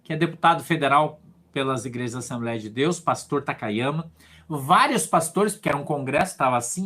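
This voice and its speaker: A Brazilian pastor preaching and telling a testimony of his ministry. His voice rises to sudden shouts and drops to hushed asides. The delivery is lively and dramatic, in a sermon style. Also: on the high side. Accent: Brazilian Portuguese. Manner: animated storytelling, swings from hushed to shouting.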